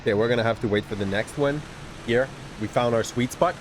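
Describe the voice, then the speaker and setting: This gaming streamer's voice is mid-range and fairly quick, set against a noisy background with game music. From Quebec and lightly accented in Québécois French, he rambles on chattily about his play, often restarting his words.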